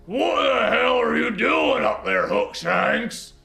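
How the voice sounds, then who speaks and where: A foul-mouthed overseer in a tabletop game, his gravelly growl heavily creaking and pushed up into a forceful shout. He barks bullying orders with furious temper, in a roomy echo over music. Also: huge pitch swings, slow pace, full character voice. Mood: angry shouting. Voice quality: rough, low gravelly growl. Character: angry gravel-voiced foul-mouthed overseer barking at child workers.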